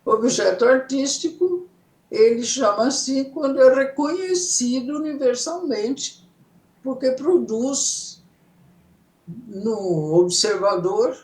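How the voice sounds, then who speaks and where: A woman's voice: sits high, darkish tone, roomy sound, poor audio. An older woman from Italy, a psychoanalyst guest, explaining ideas step by step and often checking in with her listener. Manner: unhurried, explains in steps, checks in with "certo?". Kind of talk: reflective explanatory interview talk.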